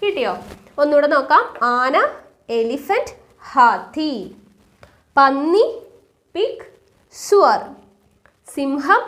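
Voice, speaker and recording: Woman from kerala teaching words online, high voice, asks a question then answers it, slow repetition drill. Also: expressive, a bit bright. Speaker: language teacher. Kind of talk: online vocabulary lesson.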